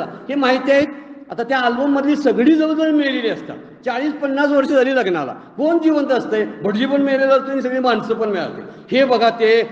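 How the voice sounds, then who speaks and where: A man gives a devotional talk on scripture in a high, ringing voice. He tells homely stories and keeps asking his listeners questions. The sound is roomy and echoing, with a long hall tail and a slightly dull, muffled tone. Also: a little mellow. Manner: folksy storytelling with rhetorical questions. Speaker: spiritual discourse speaker.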